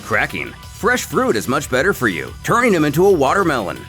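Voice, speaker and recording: A man giving a scripted story recap as a narrator, in a dramatic, animated storytelling manner. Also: fairly high pitch, fairly quick, loud music behind the voice. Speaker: narrator of a fan comic recap series.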